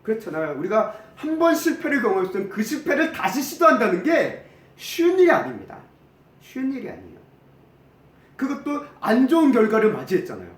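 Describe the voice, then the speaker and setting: A man preaching a sermon as pastor, animated, acting out the quoted complaints. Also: very high-pitched, a little fast, echoey room. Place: church sanctuary.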